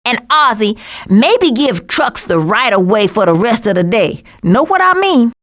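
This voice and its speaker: A woman voicing a sassy, streetwise, sarcastic female skunk with slangy wisecracks in an animated video game. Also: fairly high pitch, measured pace. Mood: wry.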